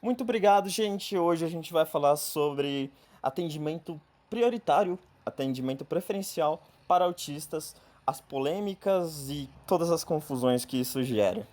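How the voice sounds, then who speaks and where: On the high side and expressive, this Brazilian podcast host in his twenties, from northern Paraná, talks at a moderate pace with few pauses and a darkish tone. The conversation is informal and humorous, full of "né?"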